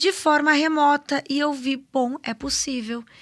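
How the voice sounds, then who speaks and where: The recording is very clean, with a silent background. Speech moves at a very slow pace. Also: woman. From southern Brazil, German-colonized region. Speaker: German teacher. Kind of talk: TV interview.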